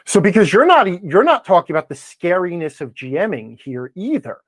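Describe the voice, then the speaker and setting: Male podcast guest, middle-aged, very lively intonation, assertive debater, dry close sound. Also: high voice, a little fast, no room sound. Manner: assertive, interjecting, questions the other speaker pointedly. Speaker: podcast guest, game-advice blogger. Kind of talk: animated conversational debate.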